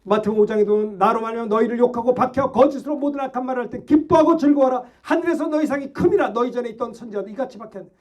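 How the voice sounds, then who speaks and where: A middle-aged male pastor preaching a fervent Sunday sermon, shouting and exhorting with rhetorical questions. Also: very high-pitched, racing, few pauses.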